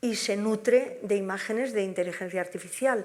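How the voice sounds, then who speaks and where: With normal pitch movement and a moderate speed, an ordinary speaking voice talks. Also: woman. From Basque Country, Bilbao. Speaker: visual artist. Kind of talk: Q&A at a university talk.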